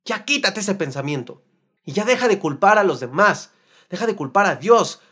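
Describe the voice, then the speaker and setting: Man, Mexican accent, young adult, high voice, animated motivational talk. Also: normal speed, breathy edge. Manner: animated, mimics whiny complaining voices. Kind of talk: motivational self-help talk.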